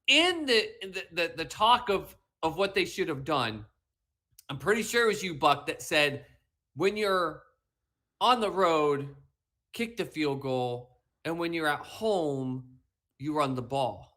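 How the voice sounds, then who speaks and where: A man's voice: on the high side, expressive, measured pace, pushed and bright. Emphatic man ranting about football. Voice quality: whiny, slightly mushy voice. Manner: emphatic, lecturing, repeats lines for effect. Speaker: podcast co-host. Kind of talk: animated sports talk rant.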